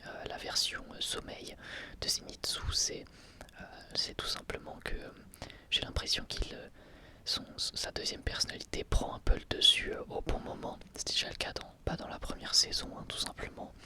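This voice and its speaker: A man hosting his channel, reviewing an anime episode in a soft ASMR whisper, hesitating often with fillers. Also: moderate pace.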